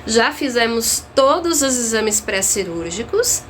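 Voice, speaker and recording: High-voiced, earnest young mother vlogging. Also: very animated, measured pace, a bit bright, a little hiss or hum. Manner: earnest, emotional storytelling. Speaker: mother and channel host. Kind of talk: casual vlog talk to viewers.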